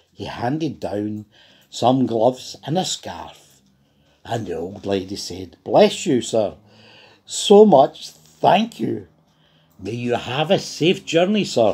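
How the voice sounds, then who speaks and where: A man with a Glasgow accent speaks at a very slow pace in a dark, mellow tone. His medium pitch makes very wide swings, and his loudness shifts a lot. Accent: Scottish (Glasgow). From Glasgow, Scotland. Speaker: storyteller. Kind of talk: read story.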